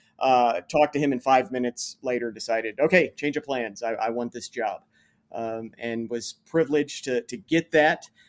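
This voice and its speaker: Speaking with an American accent, a man has an ordinary speaking voice with medium pitch and ordinary pitch variation at a fairly quick pace. The sound is dry and close with no echo, on a very clean recording with a silent background. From US South, Macon, Georgia. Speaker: religious newspaper journalist and publisher. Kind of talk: interview conversation.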